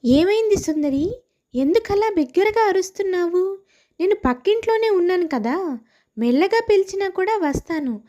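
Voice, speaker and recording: A woman's voice: very high-pitched, animated, normal speed, dark tone. A woman voicing a sarcastic neighbor housewife who fires back retorts, in a cartoon story.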